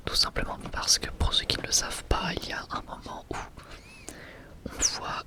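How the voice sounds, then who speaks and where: A person whispering softly and breathily in an informal, hesitant, unhurried ASMR showcase. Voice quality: soft, breathy unvoiced whisper. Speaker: ASMR video creator.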